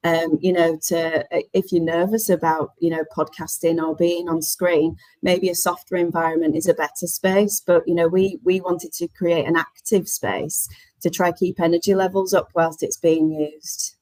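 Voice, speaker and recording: Female panellist, slightly low voice, dry sound, halting informal explanations on a webinar. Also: little pitch movement, a little mellow, no room sound, rough recording. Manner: hesitant, halting.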